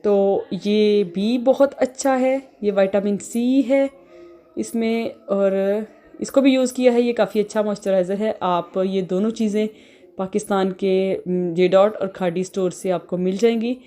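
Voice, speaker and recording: A young woman from Pakistan speaks in an easygoing home vlog, her Pakistani Urdu accent plain in every phrase. She talks in a chatty, friendly flow and often pauses on filler sounds while she gathers her thoughts. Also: mid-range voice, steady tone, mellow. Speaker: vlogger.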